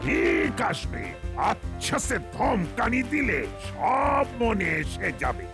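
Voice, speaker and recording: Cartoon police chief: gravelly, exasperated, bossy, with wildly swooping delivery over music. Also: male voice, extremely high pitch, wildly swooping pitch, full character voice. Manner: theatrical, drawn-out, scolding. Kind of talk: cartoon voice acting. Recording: music behind the voice.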